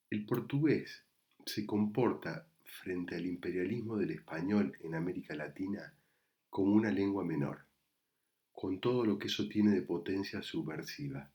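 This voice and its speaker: A man with an Argentine Spanish accent, a psychoanalyst giving a prepared talk recorded remotely in a measured, reflective way. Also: sits low, a little mellow. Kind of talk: prepared lecture read to camera. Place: recorded remotely, not in the event hall.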